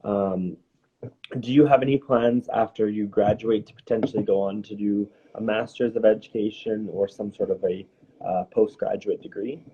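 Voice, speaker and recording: A man's voice: fairly low pitch, fairly even intonation, normal speed, husky. A man hosting a conversational live question-and-answer interview, encouraging and often rephrasing his questions. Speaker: host interviewer. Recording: dull lo-fi, faint noise.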